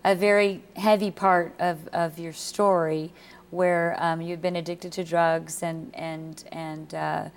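A woman's voice: lowish voice, little pitch movement, slow. A woman hosting a Christian television interview, sympathetically summing up her guest's story in dramatic terms.

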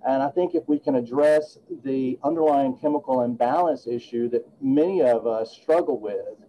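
A man's voice: mid-range voice, moderate pace, warm tone, slight background noise, rough recording. A man in his late fifties, a guest attorney talking earnestly and reflectively in a podcast interview. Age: 50s.

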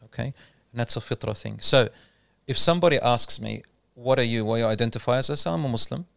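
Gravelly, smooth-voiced man explaining. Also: medium pitch, fast talker, a bit bright, no room sound. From Australia. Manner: explains patiently, tells anecdotes, mixes in Arabic terms. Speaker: Islamic speaker. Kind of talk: casual religious discussion.

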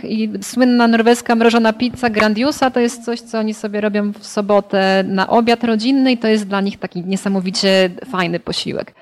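Chatty woman translator, higher voice. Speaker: literary translator. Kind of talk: podcast panel discussion.

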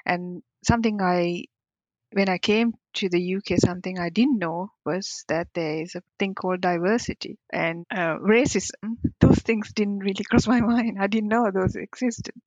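A woman's voice: mid-range voice, steady tone, moderate pace, darkish tone, dry recording, highs cut off. A woman in her forties, a cybersecurity professional, giving candid, reflective interview answers in non-native phrasing and laughing often. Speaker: cybersecurity professional, podcast guest.

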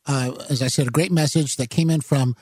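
A man hosting a talk radio show, commenting on the news in a rambling, halting way with many fillers and self-corrections, into a studio microphone. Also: mid-range voice, fairly even intonation, darkish tone, husky, dry recording.

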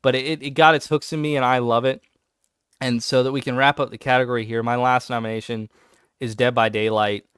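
A man's voice: medium pitch, brisk, smooth, dry recording, studio quality. A man co-hosting a podcast in casual chat, talking with growing enthusiasm. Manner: enthusiastic, animated when excited. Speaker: podcast co-host.

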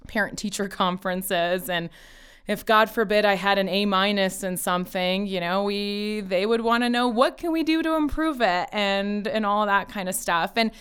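A woman's voice: medium pitch, moderate pace, fairly bright tone, clean tone. A woman whose first language is Farsi, a family lawyer talking casually as an interview guest, laughing easily and quoting her parents. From Colorado, USA.

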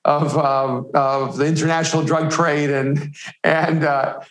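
A man from El Salvador whose first language is Spanish, a pastor speaking as a podcast guest, reflective and halting, with many restarts. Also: on the high side, flat delivery, reverberant. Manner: reflective, with frequent hesitations and restarts. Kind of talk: conversational interview.

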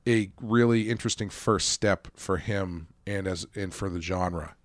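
A man's voice: low voice, unhurried, no echo. A man co-hosting a casual film podcast, rambling with restarts and chuckles. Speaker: podcast co-host.

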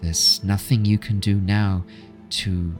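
A man voicing a kindly old woman fortune teller, gentle, calm and cryptic, in a tabletop role-play game. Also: fairly low pitch, slow pace, faint music behind. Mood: solemn, cryptic.

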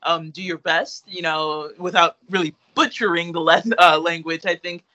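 A young man, an artist, chats casually in an interview, rambling with plenty of fillers and restarts and laughing easily. His voice sits fairly high with fairly even intonation, moving at a moderate pace with a sharp tone. The recording sounds muffled.

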